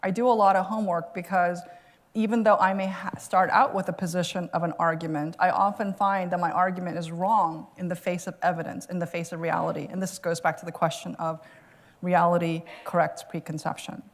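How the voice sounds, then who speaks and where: A woman's voice: fairly low pitch, level tone, a little fast. A woman author answering an audience question at a lecture, earnest and reflective, laughing now and then. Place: lecture hall.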